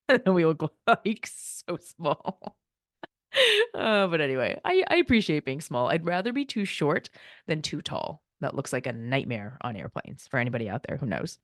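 A woman's voice: deep voice, very animated, moderate pace, no room sound, clean studio sound. A woman, chatting casually and light-heartedly as a podcast host, laughing often. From United States. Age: 40s. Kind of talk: casual personal chat.

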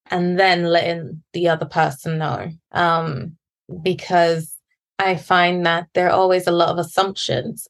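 Relaxed woman co-hosting a friendship podcast. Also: fairly low pitch. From Guyana, raised in England. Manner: laughs easily, relaxed. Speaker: podcast co-host. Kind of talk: casual chat.

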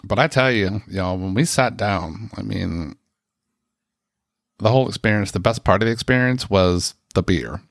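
A man's voice: fairly low pitch, normal speed, gravelly, dry recording, clean studio sound. An American man, telling a personal story in a rambling, chatty way with lots of fillers and asides. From United States. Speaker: speaker sharing a personal story. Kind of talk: casual storytelling.

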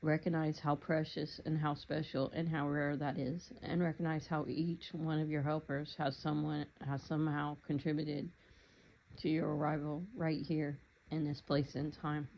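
Calm, even-toned meditation guide. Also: medium pitch, gravelly, lo-fi sound, slight background noise. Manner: calm, unhurried, gently instructive.

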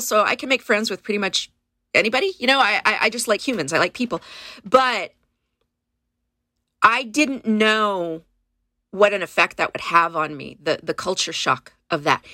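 This reflective interview features a Spanish-first-language woman in her fifties from California, earnestly discussing her past and often restarting sentences. Her mid-range voice sounds pushed and bright, with clean studio sound and no room ambience.

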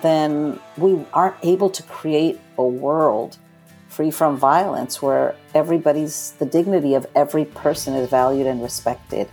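A woman's voice: deep voice, moderate pace, dark tone, husky, soft background music. A middle-aged woman who grew up in Los Angeles, speaking earnestly and thoughtfully as a guest in an interview. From born in Ecuador, grew up in Los Angeles. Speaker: podcast guest, nonprofit chief executive. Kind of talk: reflective interview conversation.

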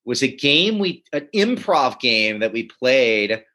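A man in a relaxed conversation, telling stories with animated energy and frequent chuckles. He restarts sentences as he goes, and his voice sits at an ordinary middle pitch for a man. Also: slow pace. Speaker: comedy writer and teacher. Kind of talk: casual interview storytelling.

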